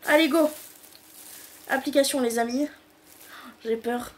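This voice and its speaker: High-voiced chatty woman, southern French accent. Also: darkish tone. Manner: chatty, giggly, swears casually. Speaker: beauty vlogger. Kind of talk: casual chat. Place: at home.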